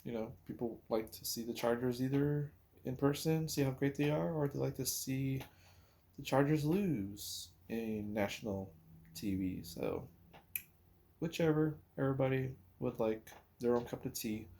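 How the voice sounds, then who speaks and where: A man talks casually about sports at a slow, unhurried pace. His voice is mellow and relaxed, and he rambles hesitantly, pausing as he thinks out loud like a solo podcast host. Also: medium pitch, creaky. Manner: rambling, hesitant, pauses while recalling and counting.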